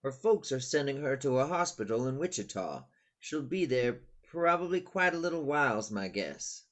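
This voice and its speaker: A man's voice: medium pitch, expressive, moderate pace, fairly bright tone, close to an everyday voice. A man reading a concerned male advisor in a screenplay table read. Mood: grave, concerned.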